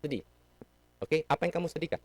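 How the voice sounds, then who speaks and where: A man's voice: on the high side, quick pace, slight background noise. A man giving a casual Buddhist sermon in a temple hall, teaching playfully and asking the audience questions. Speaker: Buddhist dharma speaker.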